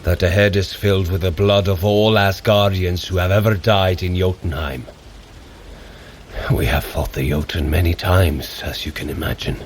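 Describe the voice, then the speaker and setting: An actor playing a hearty, boastful Norse god warrior in an audio drama, booming and declaiming in heroic, archaic phrases. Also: male voice, steady tone, normal speed, slight background noise. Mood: grave.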